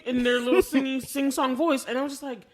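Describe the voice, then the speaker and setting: An American woman co-hosting a podcast, chatting casually about a film in an animated storytelling way and acting out reactions as she goes. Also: high voice, quick pace. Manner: animated storytelling, acts out reactions in quoted asides. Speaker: podcast co-host. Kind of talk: casual film review chat.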